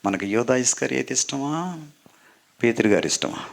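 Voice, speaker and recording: A man's voice: mid-range voice, expressive, normal speed, gravelly. A man preaching a sermon as a Catholic priest, leading the congregation in call-and-response and mixing in English phrases.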